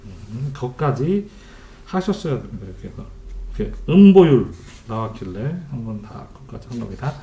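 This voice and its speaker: A man's voice: mid-range voice, sing-song, normal speed, dark tone. A middle-aged man tutoring Korean literature online, explaining terms and quizzing his students with repeated questions. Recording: echoey room, keyboard typing behind.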